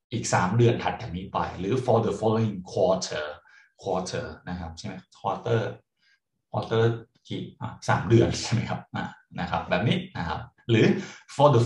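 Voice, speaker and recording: A man lecturing a class on English, explaining patiently and adding frequent polite particles. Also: lowish voice. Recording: echoey classroom.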